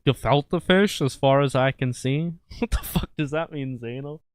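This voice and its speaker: A man's voice: mid-range voice, normal speed, clear, resonant tone, no echo, clean studio sound. A man hosting a livestream with casual, satirical talk in a crude, irreverent, jokey manner. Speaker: livestream host.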